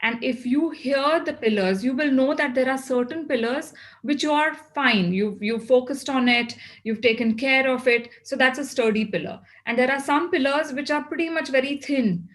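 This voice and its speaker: A woman's voice: sits high, normal speed, a bit bright. A woman with a South Asian accent gives a motivational well-being talk to a group, instructing and often posing questions that she answers herself.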